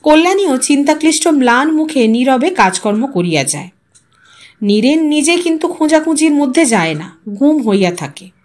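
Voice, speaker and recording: A woman reading a literary short story aloud in an expressive storytelling style. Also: sits high, normal speed. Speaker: audio story narrator.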